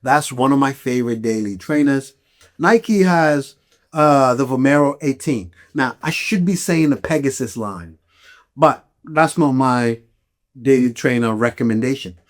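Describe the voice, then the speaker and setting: An unhurried, medium-pitched podcast host from Malawi walks listeners through gear in a relaxed, explanatory manner. He stresses his points emphatically and keeps checking in with his listeners.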